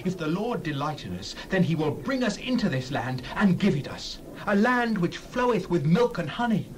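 A man's voice: high-pitched, sing-song, normal speed, slight background noise. A man playing a hopeful, fervent ancient scout, urging his people in a dramatized scripture reading.

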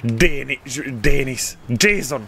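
A man's voice: medium pitch, slow pace, gravelly, bright, forceful tone, a little hiss or hum. A man streaming a car-football game, chatting casually and teasing his friends with jokes. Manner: joking, teasing, bursts into silly singing. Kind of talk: casual gaming chat.

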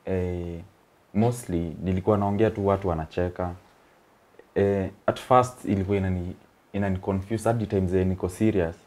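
A man's voice: low-pitched, fairly even intonation, brisk, a little mellow. A young Kenyan man with a Kenyan accent, a comedian guest telling his story in a casual interview, rambling and chuckling, mixing in slang, on an indoor studio set.

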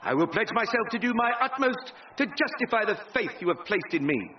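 An actor playing a pompous, chummy, self-important MP in a radio sitcom, boastful and colloquial. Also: male voice, high-pitched, very animated, a little fast, lo-fi sound, a little hiss or hum. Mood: grandly gracious. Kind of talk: 1950s-style radio sitcom acting.

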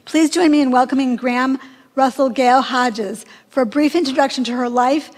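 A woman reads a prepared introduction into a desk microphone in a large hall. Her voice sits high, and her careful reading trips over a few names while the hall's long reverb hangs behind her. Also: normal speed. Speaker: event host introducing the speaker. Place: large lecture hall, seated at a lectern.

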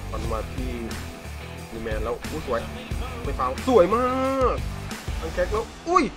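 A young man commenting on a football video game as he plays, with loud outbursts, laughter and swearing. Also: medium pitch, measured pace. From Thailand. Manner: swings from calm play-by-play to loud shouting and laughing, swears often. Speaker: gaming YouTuber. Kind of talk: excited live game commentary. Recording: game music playing behind the voice. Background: clear game music.

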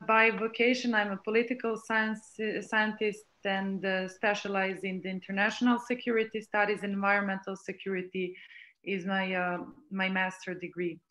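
A woman around thirty with a Serbian accent, giving semi-prepared panel remarks on a video call in a halting way, often repeating words. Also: mid-range voice, a bit bright, a little hiss or hum, poor audio. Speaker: panelist introducing herself. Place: small plain room, video call.

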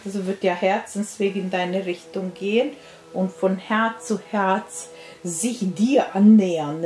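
A woman reads cards aloud in an unscripted monologue at a slow, halting pace. Her medium-pitched voice circles back over phrases and often ends on little tag questions. The room adds noticeable echo to her words. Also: warm tone. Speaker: tarot card reader and spiritual coach. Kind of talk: unscripted card-reading monologue to viewers. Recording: roomy echo with music behind. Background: music.

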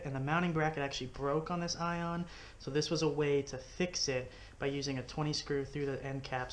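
A man's voice: a little high, a bit bright. A man from Texas explaining step by step while building something with his hands, talking casually in his living room into a head-mounted action camera. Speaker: fishing video host. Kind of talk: casual how-to demonstration. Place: living room at home, indoors.

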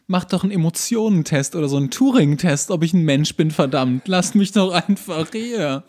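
A man hosting a podcast, chatting casually in a halting, comically exasperated way. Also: a little high, animated, darkish tone. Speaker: podcast host.

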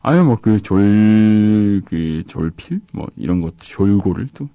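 Chatting on a radio show he co-hosts, a man reads listener comments in a gentle, faltering voice broken by gaps. The voice is fairly low and animated; the recording is dry, with the highs cut off.

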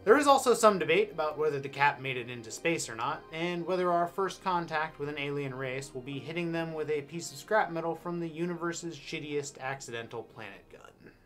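An American man in his thirties narrating scripted comic history with wry, deadpan sarcasm. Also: fairly high pitch, brisk, hardly any pauses, soft background music. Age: 30s. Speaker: host. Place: indoor studio with backdrop.

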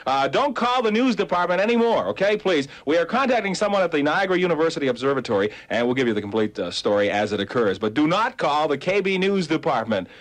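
A man's voice: fairly high pitch, very animated, fast talker, hardly any pauses. A man working as a radio DJ, wisecracking through old-time top-40 patter. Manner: joking, wisecracking.

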